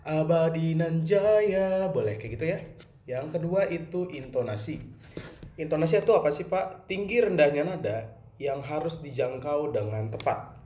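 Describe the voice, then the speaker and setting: A man with a Jakarta Indonesian accent teaches a music lesson recorded for students, explaining plainly and answering his own questions. His voice is fairly high, expressive, a little mellow, and at normal speed. The roomy recording carries faint ambience and a little hiss or hum.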